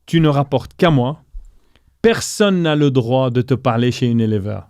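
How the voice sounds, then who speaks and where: A middle-aged man being interviewed, telling a business story in a lively way and acting out the dialogue he quotes. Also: medium pitch, normal speed, clean tone, no room sound, studio quality. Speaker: guest entrepreneur.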